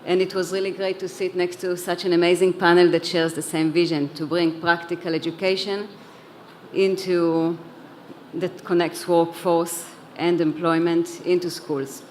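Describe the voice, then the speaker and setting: A woman's voice: lowish voice, level tone, moderate pace, slight background noise. A woman who grew up in Israel, speaking earnestly on a conference panel, with a few restarts and repeated words. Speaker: panelist, head of an education organization. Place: conference hall.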